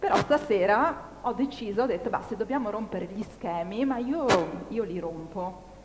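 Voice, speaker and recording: At a moderate pace, a woman with a fairly high voice speaks with lively intonation against noticeable background noise. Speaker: university professor. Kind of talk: talk on stage at event.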